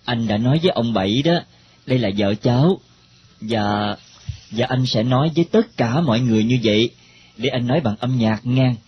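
A devoted young husband, voiced by a man. He talks gently and stumbles shyly over his words. The recording is dull and lo-fi. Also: medium pitch, moderate pace, slight background noise, natural voice. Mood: tender. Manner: hesitant, gentle.

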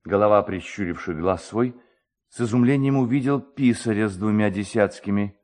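A man narrating a literary story with expressive, theatrical phrasing. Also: on the low side, normal speed. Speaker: narrator, reader.

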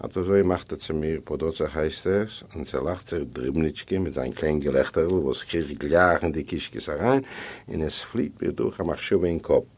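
A native Yiddish speaker reading a first-person story aloud, acting out each character in the dialogue. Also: male voice, very deep voice, normal speed, darkish tone, breathy edge. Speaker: audiobook reader. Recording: dull lo-fi recording.

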